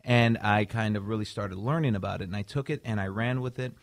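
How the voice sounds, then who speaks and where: A man's voice: on the low side, vocal fry. A man from Chicago, a mental health clinician, earnestly explaining his path as a radio guest. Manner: earnest, measured, some restarts. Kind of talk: radio interview answers.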